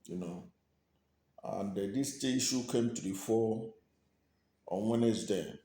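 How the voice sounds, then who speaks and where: An echoey room surrounds a man with a low voice and a Nigerian accent. He delivers news commentary as if to the record, breaking sentences into short, weighted phrases. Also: slow pace, mellow. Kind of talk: news commentary, reading out statements.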